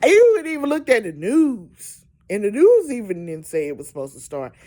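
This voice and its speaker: A woman's voice: fairly high pitch, huge pitch swings, normal speed, warm tone. A woman giving a casual weather update, exasperated and emphatic, repeating words for stress. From Georgia, US. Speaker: amateur weather commentator.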